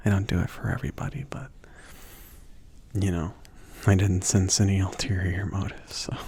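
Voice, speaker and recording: A man playing a bashful, indulgent mage shopkeeper in an intimate ASMR roleplay, speaking in a breathy, gravelly half-whisper with a hesitant, gently teasing, rambling manner. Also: low-pitched, fairly even intonation, moderate pace, exaggerated voice. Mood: casual, reminiscing. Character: soft-spoken, bashful, easygoing male mage shopkeeper, indulgent.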